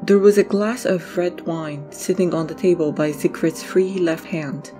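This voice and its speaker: A woman's voice: lowish voice, fairly even intonation, a little slow, music in the background. A woman narrating an audio drama in a scripted, storytelling read.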